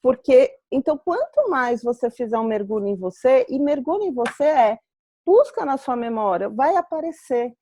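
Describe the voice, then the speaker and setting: A woman's voice: high-pitched, expressive, normal speed, dark tone, slight background noise. A Brazilian woman hosting a live webinar, explaining in an earnest, reflective way with personal examples over a video call. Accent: Brazilian Portuguese. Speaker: webinar host.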